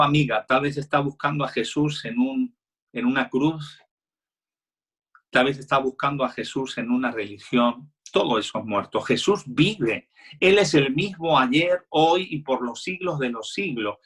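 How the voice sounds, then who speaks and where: Husky-voiced male pastor preaching. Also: mid-range voice, fairly bright tone. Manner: earnest preaching, retelling Bible scenes with quoted dialogue. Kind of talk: sermon.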